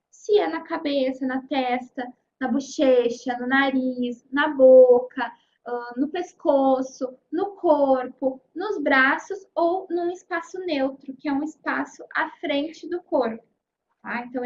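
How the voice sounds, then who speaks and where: Female teacher, high pitch, explanatory lecture tone, dull lo-fi recording. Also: darkish tone. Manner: explanatory, frequent "né?" and "tá?" check-ins. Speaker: sign language teacher.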